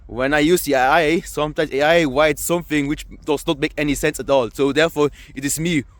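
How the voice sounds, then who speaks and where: A young man from Luxembourg with a Luxembourgish accent, chatting casually to camera, often repeating himself and filling pauses with "I mean" and "yeah". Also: a little high, fairly even intonation. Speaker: language vlogger. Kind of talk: casual vlog talk to camera.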